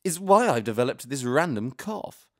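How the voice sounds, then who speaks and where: A man's voice: medium pitch, big pitch swings, normal speed. A male actor playing a weary young man who complains in an exasperated way about losing sleep.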